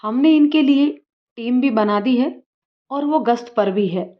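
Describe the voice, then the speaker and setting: A woman's voice: a little high, a little slow, close to an everyday voice. A woman voicing a sly, jovial middle-aged male police inspector, on slightly dull audio.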